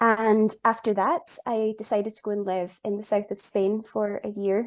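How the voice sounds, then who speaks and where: Her intonation flat and monotone, a woman with a fairly high pitch speaks with big swings in loudness. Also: moderate pace. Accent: Scottish. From Scotland, near Glasgow. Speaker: conference interpreter and PhD researcher. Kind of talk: interview conversation.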